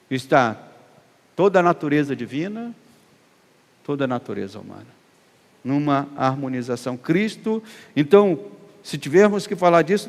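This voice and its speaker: A man with a Brazilian accent, preaching a sermon as pastor, emphatic and swelling loud on key phrases. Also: fairly high pitch. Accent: Brazilian Portuguese. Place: church hall. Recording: long hall reverb.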